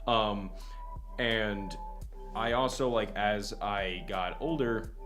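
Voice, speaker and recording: A young man with a fairly low voice, rambling through a casual livestream chat. He is self-deprecating and swears offhandedly. Soft lofi beats play faintly underneath. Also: takes it slowly. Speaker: guest content creator. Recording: lofi music playing faintly behind.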